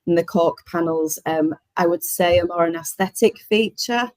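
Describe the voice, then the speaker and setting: A woman answering informally as a webinar panellist, hesitant and halting as she explains. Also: lowish voice, a little mellow, dry recording.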